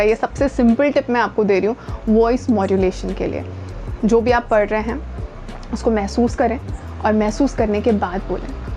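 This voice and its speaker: A woman's voice: fairly high pitch, darkish tone. A woman with an Indian accent giving a conversational lesson as a voice coach, mixing in English and leaning on key words. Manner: code-switches into English, stresses key words. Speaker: voice training coach and presenter. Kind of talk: instructional talk to camera, conversational.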